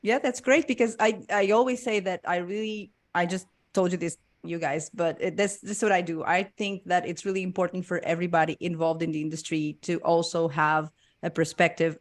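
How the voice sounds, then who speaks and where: A woman hosting a podcast, enthusiastic and quick to laugh, often repeating words as she talks. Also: fairly low pitch, fairly even intonation. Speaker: podcast host. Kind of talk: casual interview chat.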